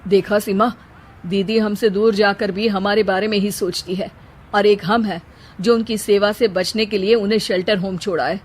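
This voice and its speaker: A woman's voice: medium pitch, steady tone, moderate pace, breathy edge, lightly acted. Brief: woman reading a sincere young brother, heartfelt, storybook narration. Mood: remorseful. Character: earnest young man, devoted younger brother. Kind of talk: storybook character voice.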